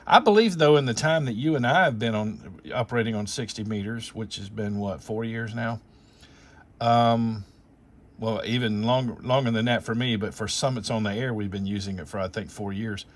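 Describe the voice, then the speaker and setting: With a voice on the low side, this amateur radio operator hosts in a rambling, explanatory style. He works through technical details casually, thinking out loud as he goes.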